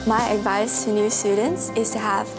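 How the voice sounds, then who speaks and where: A woman's voice: mid-range voice, fairly even intonation, moderate pace. Composed woman from Malaysia, music behind. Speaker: international student. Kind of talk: testimonial interview.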